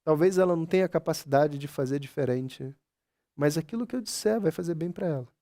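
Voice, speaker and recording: A man's voice: on the high side, brisk, dark tone. A man giving a conversational spiritual talk to an audience, often asking if they understand. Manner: conversational, keeps asking "sabe?" and "você entende?"; acts out quoted dialogue with his mother. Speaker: spiritual speaker.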